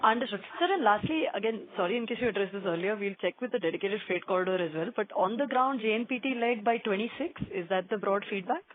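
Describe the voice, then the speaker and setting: A woman's voice: mid-range voice, quick pace, hardly any pauses. A woman, politely asking questions as an analyst on a conference call. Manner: polite, addresses executive as sir. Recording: narrow phone line.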